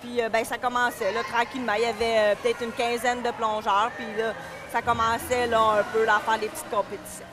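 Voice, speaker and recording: A woman in her thirties from Quebec, Canada, speaks as an interview guest with a Québécois French accent, casual and hesitant, with many fillers and restarts. She is a diving club vice-president and coach, recorded in an indoor pool area with music in the background; her voice is on the high side, fairly quick, with little pitch movement.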